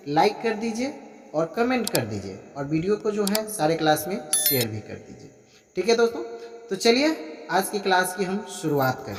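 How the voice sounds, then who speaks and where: A man tutoring English in a casual online class, slowing down to repeat example phrases and keep coaxing viewers to answer. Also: high-pitched, breathy edge. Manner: repeats example phrases slowly and keeps urging viewers to comment.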